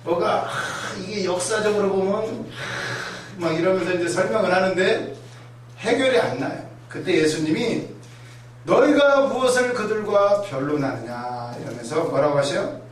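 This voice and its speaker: A man with a fairly high voice delivers an animated sermon, slipping into voices and asides as he goes. He is recorded from a distance in a very echoey hall. Faint noise sits underneath. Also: moderate pace. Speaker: pastor.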